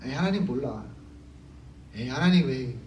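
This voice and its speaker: A man's voice: medium pitch, animated, moderate pace, voice pushed down, natural voice. A man acting out a defiant modern believer who whines back at God and waves off old teaching. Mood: dismissive. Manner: dismissive, whiny talking back. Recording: echoey church hall from far off.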